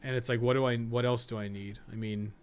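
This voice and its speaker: Male gameplay commentator, average pitch, musing and self-questioning, conversational asides, slightly noisy recording. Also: fairly even intonation, fast talker, a little mellow. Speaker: podcast co-host and game guide writer. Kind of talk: casual gameplay commentary, thinking aloud.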